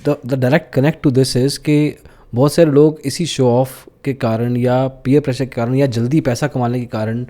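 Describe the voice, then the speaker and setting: A man hosting a podcast in a relaxed, warm and mellow voice at a middle pitch. He thinks aloud and reflects on the guest's points before moving to his next question. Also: measured pace. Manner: reflective, thinks aloud, mixes in English phrases. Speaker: podcast host. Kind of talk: casual interview talk.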